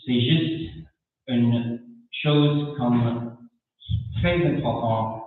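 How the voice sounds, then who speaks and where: A man speaks very slowly and haltingly at a candidates' debate, with a foreign accent in his non-native French. He sounds far from the mic in a very echoey room. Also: medium pitch, narrow, tinny audio. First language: not French. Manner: halting, searching for words. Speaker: election candidate.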